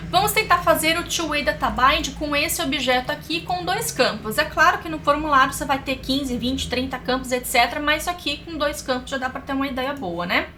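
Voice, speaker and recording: A woman's voice: high-pitched, pushed and bright, a little hiss or hum. A woman teaching a programming course, explaining each step directly to her viewers. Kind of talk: screencast coding tutorial.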